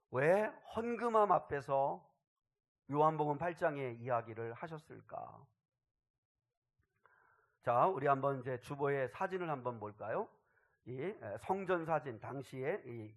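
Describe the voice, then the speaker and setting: A male pastor preaching a sermon, rising loud on key phrases and dropping to a hush, acting out quoted speech. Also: medium pitch. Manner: acts out quoted voices in dialogue.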